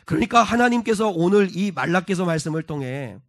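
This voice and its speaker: A man's voice: high-pitched, animated, a little fast. A male pastor preaching a Sunday sermon in church, explaining scripture and asking the congregation questions. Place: church sanctuary.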